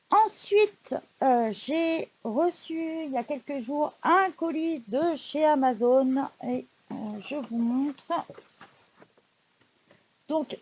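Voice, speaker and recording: A woman with a fairly high but mellow, slightly husky voice, talking through her latest purchases. She chats casually and keeps pausing on small fillers as she goes. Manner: chatty, many hesitation fillers and "donc voilà". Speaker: craft YouTuber showing purchases. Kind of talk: casual haul video chat.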